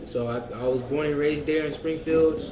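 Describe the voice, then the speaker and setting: A young man speaking from a busy cafe, with chatter around him and a roomy echo on his voice. He answers at an easy pace, relaxed, stopping often to fill gaps and repeat himself. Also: on the high side, moderate pace. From United States. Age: young adult. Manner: relaxed, hesitant with many fillers and repeats. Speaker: interviewee, university student. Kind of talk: casual interview answers.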